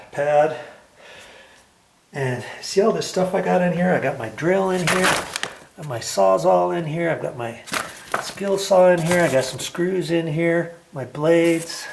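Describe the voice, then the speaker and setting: A talkative man walks through his tools in a loose, rambling how-to vlog. His voice sits a little high for a man and bounces around an echoey room. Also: darkish tone, a little hiss or hum. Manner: chatty, rambling, talks while handling tools. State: out of breath while climbing. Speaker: DIY video host.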